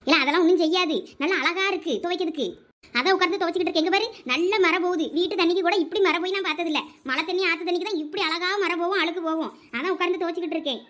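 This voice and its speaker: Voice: very high-pitched, fairly even intonation, very fast, a bit bright. A voice actor playing a stubborn, fussy older mother-in-law in a cartoon, with a Thoothukudi Tamil accent. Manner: stubborn, complaining. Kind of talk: cartoon voice acting.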